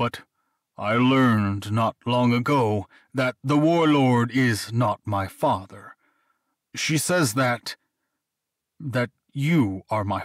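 Using a put-on character voice at a medium pitch, a man talks at a very slow pace with long, frequent pauses. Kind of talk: audiobook character voice. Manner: hesitant, nervous.

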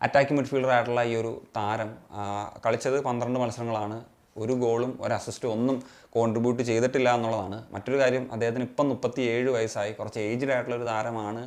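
This is a man with a medium-pitched voice. He speaks with monotone, flat intonation. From Kerala, India. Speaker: football YouTuber. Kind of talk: casual monologue. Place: studio. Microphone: lapel.

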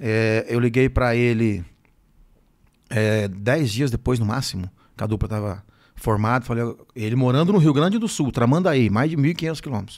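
Over a quiet background, a man talks at a moderate pace with ordinary pitch variation and long, frequent pauses. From Brazil, interior of São Paulo state (Ribeirão Preto), moved to São Paulo at 14; São Paulo state, Brazil. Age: 60s. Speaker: sertanejo singer; podcast guest. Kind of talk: casual interview chat. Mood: reflective, sometimes smiling. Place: studio. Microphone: studio mic.

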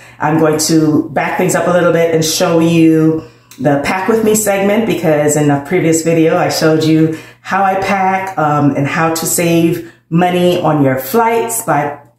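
Audible room echo colors this recording. A woman talks at a fairly slow pace. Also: fairly low pitch for a woman, ordinary pitch variation. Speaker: travel vlogger. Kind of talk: casual vlog chat. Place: home room.

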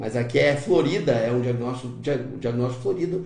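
A man talks in a medium pitch, his voice carrying audible room echo. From southern Brazil, raised in Lages, Santa Catarina; Santa Catarina, Brazil. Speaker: psychiatrist; guest. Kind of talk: TV interview. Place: studio.

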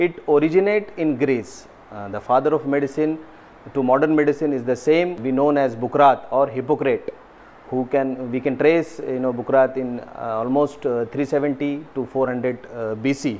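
With an Indian accent, a man speaks at a moderate pace and a fairly high pitch, his pitch varying in an ordinary way. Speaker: Unani physician. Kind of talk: interview explanation.

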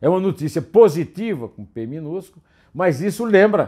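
Against a quiet background, a man with a dark, mellow tone speaks at a moderate pace, his pitch swinging very widely. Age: 70s. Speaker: political commentator. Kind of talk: opinion commentary monologue; political commentary to camera. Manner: hesitant with fillers. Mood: critical, animated. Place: home room. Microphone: lapel.

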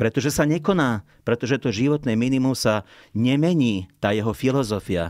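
With lively intonation, a man speaks at a moderate pace. The sound is dry with no echo, and the background is quiet. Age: 50s. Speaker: former labour minister and tax expert; former labour minister. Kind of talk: interview. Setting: studio. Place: studio. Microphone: studio mic.

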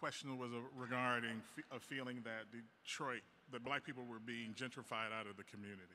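A man speaks at a fairly quick pace in a medium pitch, his bright, sharp tone held to a monotone, flat intonation over light background noise. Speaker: theatre company artistic director and event host; event host. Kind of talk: event welcome and moderation. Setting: stage with audience at a podium. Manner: formal. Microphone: handheld.

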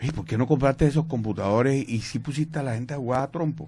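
His voice carries a slight breathiness. The man's pitch moves up and down in a normal way. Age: 50s. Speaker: public auditor official; radio interviewee. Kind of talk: radio interview. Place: studio. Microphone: studio mic.

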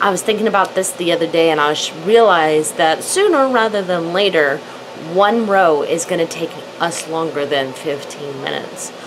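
Amid noticeable background noise, a woman talks at a moderate pace with a fairly low pitch and ordinary pitch variation. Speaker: craft tutorial host. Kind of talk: casual vlog chat. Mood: friendly, relaxed. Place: home room. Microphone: phone near.

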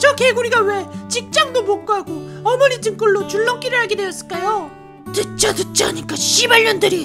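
A put-on character voice moves at a moderate pace while music plays clearly in the background. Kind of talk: mock speech. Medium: dub.

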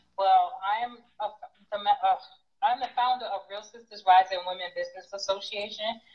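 Over a quiet background, a woman speaks at medium pitch and a moderate pace in a normal speaking voice with fairly even intonation. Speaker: working parent. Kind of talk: casual chat. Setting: video call. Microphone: earbuds.

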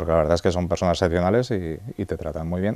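A man's dark, mellow tone in a dry sound with no echo. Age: 40s. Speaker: toy shop owner. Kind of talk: interview. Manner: halting, with repetitions. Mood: calm, earnest. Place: shop. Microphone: lapel.

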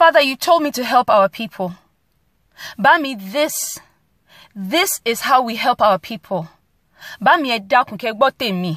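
In a Nigerian accent, a woman speaks at a high pitch and a fairly slow pace, her very wide pitch swings broken by long, frequent pauses, on a very clean recording with a silent background and a dry, close sound with no echo. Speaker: voice actor.

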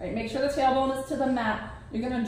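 Audible room echo and light background noise accompany a woman speaking with fairly even intonation. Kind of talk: exercise class cueing. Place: gym. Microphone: camera far.

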